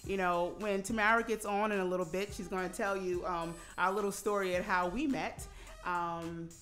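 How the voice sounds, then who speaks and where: A woman's voice: lowish voice, fairly even intonation, normal speed, a bit bright, soft background music. A woman in her forties hosting a radio talk show, chatting casually with many fillers and easy laughs. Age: 40s. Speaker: radio host. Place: radio studio. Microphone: studio microphone.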